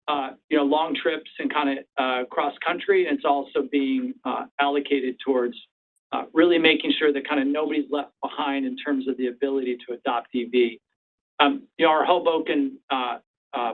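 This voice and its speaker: A man speaking as a company executive on an earnings call, in a measured, deliberate way. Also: medium pitch. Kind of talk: prepared remarks and candid answers to analysts. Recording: distant, tinny phone-line conference call.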